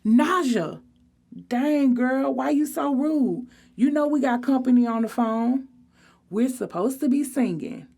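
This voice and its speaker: A woman's voice: high-pitched, unhurried, dark tone, pitched above the performer's own voice. A woman voicing an exasperated, bossy teenage big sister, sarcastic and slangy, in a storybook reading.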